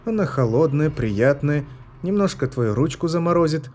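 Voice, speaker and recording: A man voicing a brisk woman healer in a storybook reading, hurried and firm. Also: fairly high pitch, animated, darkish tone, a little hiss or hum, pitched above the performer's own voice, natural voice. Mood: coaxing. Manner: hurried, coaxing, then commanding.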